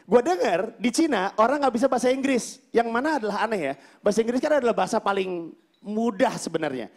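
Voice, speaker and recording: A man performing stand-up comedy on stage, telling his story in an animated way and acting out the dialogue. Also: sits high, quick pace. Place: comedy stage before a live audience.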